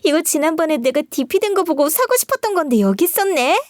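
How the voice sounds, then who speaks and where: A woman's voice: very high voice, big pitch swings, quick pace, dry recording, studio quality, voice pushed up. A woman voicing a spoiled, pushy young sister-in-law who talks in a wheedling, pouty way in a story read aloud. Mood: gushing.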